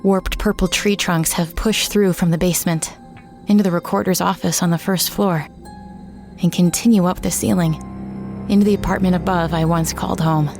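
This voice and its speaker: Weary, regretful female ex-reporter narrating horror audio drama; lower register, reflective and somber, music underneath. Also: fairly even intonation, moderate pace, vocal fry, darkish tone. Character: weary, regretful woman, small-town former journalist. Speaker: narrator and protagonist.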